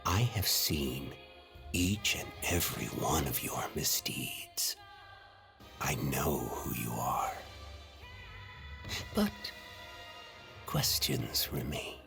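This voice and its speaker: A sinister, gravelly watcher in a game, very deep and drawn out. The pitch swings widely as he accuses. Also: big pitch swings, exaggerated voice. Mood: menacing. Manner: menacing, measured, accusing. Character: ominous all-seeing male watcher. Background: music.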